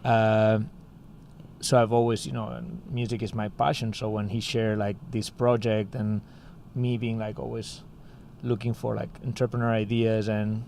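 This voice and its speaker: A man's voice: fairly low pitch, little pitch movement, moderate pace, vocal fry, darkish tone, slight background noise. A man from Spain with a Spanish accent, a music school co-founder chatting casually on a podcast and telling a story with lots of fillers. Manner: storytelling, many fillers like "you know" and "like".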